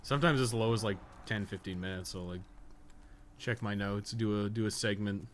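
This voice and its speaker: A man's voice: fairly low pitch, fairly even intonation, moderate pace. A man giving casual, rambling commentary on a gaming livestream, with slangy speech and frequent swearing. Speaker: livestreamer, podcast co-host. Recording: noticeable background noise.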